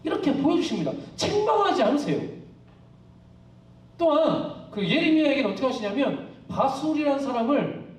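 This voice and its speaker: Male pastor, live church sermon; conversational, laughs easily; lively pitch, roomy distant sound. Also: normal speed. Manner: conversational, asks the congregation questions; laughs often while preaching. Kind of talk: live sermon to a youth congregation. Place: church worship hall. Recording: echoey hall, distant mic.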